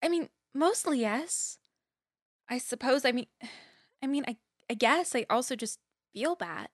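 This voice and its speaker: Impassioned, high-voiced crusading woman. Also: animated, measured pace, no echo, studio quality. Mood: guilty, apologetic. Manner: emphatic, impassioned, rhetorical. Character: indignant, crusading female academic activist, fiercely principled. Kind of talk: audio drama acting.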